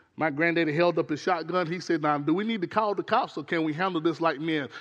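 A high-pitched man with a South Carolina accent speaks in an animated tone. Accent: Southern US (South Carolina). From US South, South Carolina (Dillon). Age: 40s. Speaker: pastor. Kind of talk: sermon. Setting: church.

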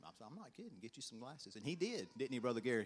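Southern US accent on a male speaker. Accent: Southern US, country. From Georgia, US South. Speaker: lay teacher. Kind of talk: church lesson. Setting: church. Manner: casual, conversational.

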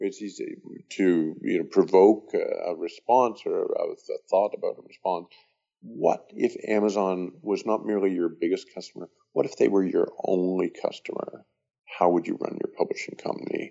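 A man with a Canadian accent at a moderate pace. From Canada, Toronto. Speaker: publishing consultant and author. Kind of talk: interview.

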